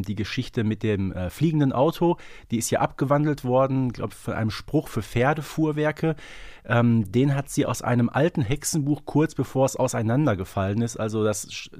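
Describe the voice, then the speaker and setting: A man's voice: medium pitch, darkish tone, no room sound, studio quality. A man co-hosting a fan podcast, casually thinking aloud as he talks. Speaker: podcast co-host.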